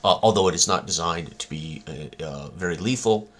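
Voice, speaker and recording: A man with an extremely deep voice that still has a bright, edgy tone and a husky grain. He talks about his own tabletop game in a casual, halting way, full of ums and uhs.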